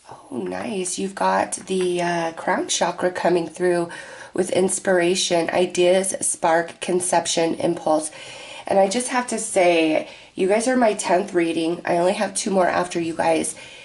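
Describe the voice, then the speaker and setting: Noticeable background noise fills the clip. A woman talks through it at a fairly slow pace. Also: fairly low pitch for a woman, ordinary pitch variation. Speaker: tarot reader. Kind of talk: tarot reading. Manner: casual, chatty.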